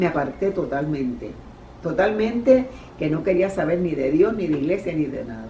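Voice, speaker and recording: A woman with a fairly low pitch speaks at a moderate pace with very wide pitch swings, and audible room echo surrounds her voice. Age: 80s+. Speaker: pastor. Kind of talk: sermon with personal testimony.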